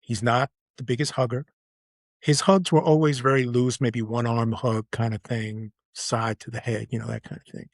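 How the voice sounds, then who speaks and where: A middle-aged man hosting a casual chat, speaking quietly and reflectively as a sympathetic listener. His voice has a middle pitch. It is recorded close and dry, with no room sound. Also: flat delivery, moderate pace, no echo. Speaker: host.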